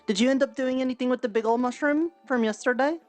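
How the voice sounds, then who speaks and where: A woman's voice: sits high, fast talker, faint music behind. A woman roleplaying a town church leader, talking in a friendly, reassuring, easygoing way. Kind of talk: casual in-character roleplay chat.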